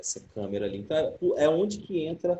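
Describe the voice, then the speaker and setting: A man's somewhat breathy voice. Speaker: radiology lecturer. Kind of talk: online lecture.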